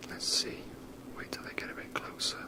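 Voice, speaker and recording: Someone whispering a casual, rambling, unhurried commentary while playing a video game, in a soft breathy ASMR style.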